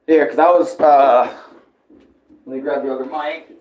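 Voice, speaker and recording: A man's voice: medium pitch, steady tone, normal speed, darkish tone. A man doing casual live reaction commentary as a streamer, talking in slang and swearing. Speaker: livestreamer reacting to a comic dub series.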